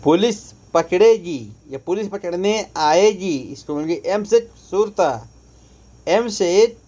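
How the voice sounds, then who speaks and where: Very slow-speaking male language teacher. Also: sits high, warm tone. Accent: Indian. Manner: repeats each phrase slowly, stressing words. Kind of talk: slow phrase-by-phrase lesson.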